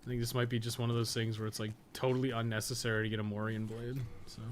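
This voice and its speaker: A man's voice: medium pitch, flat delivery, fast, a little hiss or hum. A man chatting casually on a live game stream, rambling, thinking aloud and swearing freely.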